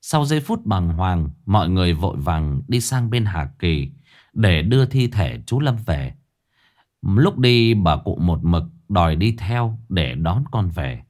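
A man narrating a ghost story in a dramatic, expressive storytelling manner. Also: low voice, a little slow.

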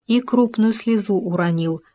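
Woman reading a story calmly. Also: medium pitch, moderate pace. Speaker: narrator.

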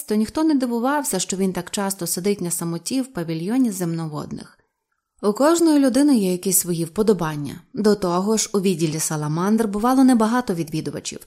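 A woman reading a novel aloud as an audiobook narrator, in an even storytelling manner. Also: mid-range voice. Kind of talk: scripted narration.

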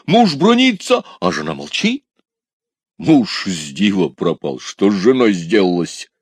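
A man reading a folk tale aloud in an expressive storytelling manner. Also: low-pitched, measured pace, husky, dry recording.

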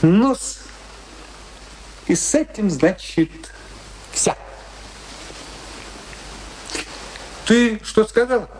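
An actor playing a vindictive, pompous older military husband in a radio play, with a deliberate, mock-official and theatrical delivery. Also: male voice, high-pitched, lively intonation, darkish tone, slight background noise, rough recording. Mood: sly.

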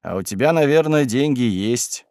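A man's voice: medium pitch, expressive, normal speed, darkish tone, no room sound, clean studio sound, lightly acted. A man voicing an earnest middle-aged village foreman who speaks firmly and persuasively. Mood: persuading. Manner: firm and persuasive.

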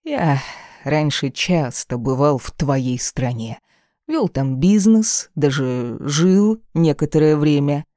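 A reader voicing a domineering, cruel male caliph who speaks slowly and menacingly in an audiobook. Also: a little high, sing-song, dark tone, dry recording, studio quality. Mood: mocking. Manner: menacing, slow and commanding. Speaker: desert ruler holding the heroine captive.

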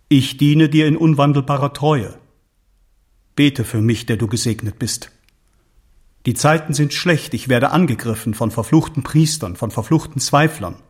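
Actor as a fervent early Christian zealot. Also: male voice, medium pitch, lightly acted. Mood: fervent, embattled. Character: embattled, zealous male early Christian follower writing to his leader. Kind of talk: solemn radio drama monologue.

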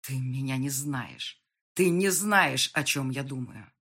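A domineering middle-aged man, put on by a woman reading an audiobook, speaks in a low, slow, contemptuous growl. His voice is bright-edged and husky, cold with menace. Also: full character voice. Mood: furious. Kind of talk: audiobook character voice.

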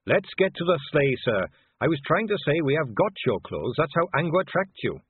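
A man's voice: on the high side, very animated, moderate pace, breathy edge, no echo, voice pushed up, full character voice. A man voicing an earnest, cheerful young male watch captain in an audiobook, polite and eager. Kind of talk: audiobook character voice. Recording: dry, narrow phone-like sound.

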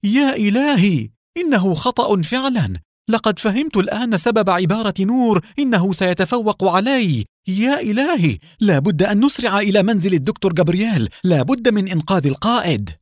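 A young male teammate in a storybook, as a man reads him. He reasons aloud, then shouts high and loud. The sound is dry and close, with lively pitch. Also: brisk, dry recording. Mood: alarmed shouting. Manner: high and loud when frightened. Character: young male team member, thoughtful, then alarmed.

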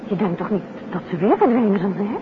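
An actress playing a detective's composed, observant wife, speaking politely and with refined curiosity in a 1950s radio drama. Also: female voice, mid-range voice, expressive, fast, lightly acted. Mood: fond, teasing. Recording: muffled, noisy, phone-like old radio recording.

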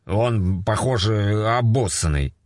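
A man voicing a fat, sleepy police sergeant who talks rough and grumbles. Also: lowish voice, slow pace, darkish tone, no room sound, clean studio sound, voice pushed up. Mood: grumbling, rough.

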